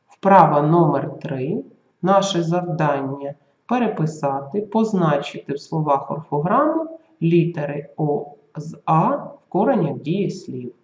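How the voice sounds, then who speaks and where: A teacher explaining a grammar rule, with an animated, swinging pitch. Example words are stretched out slowly to show where the stress falls. The recording sounds roomy and a little dull, like a lo-fi classroom video. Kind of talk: school video lesson.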